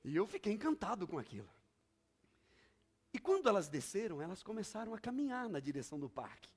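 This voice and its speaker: Guy preaching, high voice, swoops up and down a lot, tells stories over and over. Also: sing-song, a little fast, slightly rough. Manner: storytelling, repetitive and emphatic. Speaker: pastor. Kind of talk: sermon.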